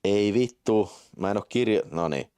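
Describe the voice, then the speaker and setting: A man streaming live to his viewers, casual and quick to swear, laughing at his own mistakes. His voice rises and falls widely, and he breaks into high, excited play-by-play when the match starts. The sound is dry and close to the mic. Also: smooth, no echo. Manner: swearing, self-mocking, jumps to excited high-pitched play-by-play. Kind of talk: casual live-stream chat and game commentary.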